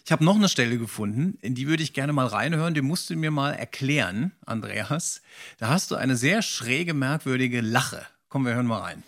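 Middle-aged man, average pitch, casual podcast host, inquisitive, enthusiastic. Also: animated, normal speed, a bit bright.

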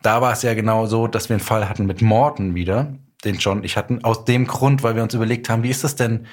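A man with a German accent talking reflectively as an interview guest, thinking aloud as he explains. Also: mid-range voice. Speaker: guest, radio drama author and director. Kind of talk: reflective casual podcast interview.

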